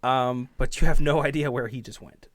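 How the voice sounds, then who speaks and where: A man narrating a tabletop game as game master in an informal, halting, self-deprecating way, improvising as he goes. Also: medium pitch, steady tone, no echo. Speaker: game master and podcast host. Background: background music.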